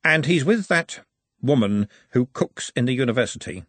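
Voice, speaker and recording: A man voicing a prim, disdainful male secretary in an audiobook, stiff and formal with a husky tone. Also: mid-range voice, expressive, normal speed, a bit bright, dry recording, pitched above the performer's own voice.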